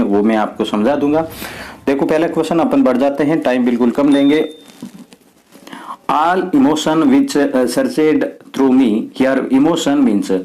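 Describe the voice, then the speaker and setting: A man's voice: mid-range voice, dark tone, rough recording. A man teaching students through an exam paper step by step, asking questions and answering them himself. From Rajasthan, India. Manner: explains step by step, asks and answers his own questions. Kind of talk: exam paper walkthrough lesson.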